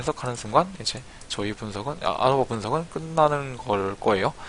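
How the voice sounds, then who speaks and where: A man with lively intonation at a fairly quick pace, over noticeable background noise. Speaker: statistics tutor. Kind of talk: tutorial. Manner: casual, hesitant.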